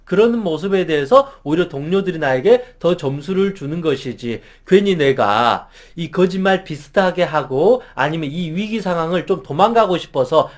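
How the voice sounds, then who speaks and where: A middle-aged man lecturing as a counselor, earnest and emphatic. His voice is fairly high for a man. His intonation rises and falls in wide sweeps. He acts out example phrases along the way. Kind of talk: advice lecture to camera.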